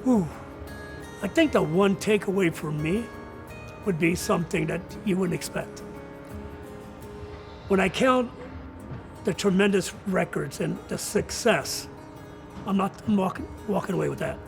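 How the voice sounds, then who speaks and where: Older man, high-pitched gravelly voice. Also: unhurried, pauses often, faint music behind. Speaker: retiring college soccer coach. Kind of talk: reflective interview answers.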